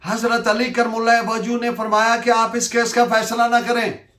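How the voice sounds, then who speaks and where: A man with a Pakistani accent giving a lecture, deliberate and emphatic as he dictates references and switches between two languages. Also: very high voice, flat delivery, bright, forceful tone. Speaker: law lecturer. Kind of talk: lecture dictating case citations and explaining legal principles. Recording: echoey room.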